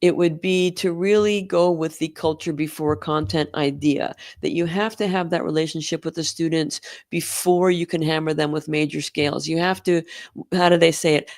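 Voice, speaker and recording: A woman's voice: low voice, no echo, clean studio sound. A middle-aged woman, a school band director, talking as a guest in an interview, telling stories and laughing easily. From Oregon, US. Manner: warm storytelling, laughs easily. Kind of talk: conversational interview.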